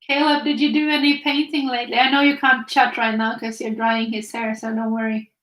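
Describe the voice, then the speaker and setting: A woman's voice: on the high side, flat delivery, fairly quick, a bit bright, reverberant, poor audio. Finnish-accented woman chatting while painting. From Finland. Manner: chatty, reads viewer comments aloud. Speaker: art teacher streaming live. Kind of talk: casual chat while painting.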